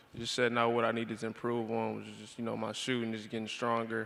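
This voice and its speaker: Very fast speech comes from a man with an American accent. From Detroit, Michigan. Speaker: basketball player, draft pick. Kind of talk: press conference Q&A.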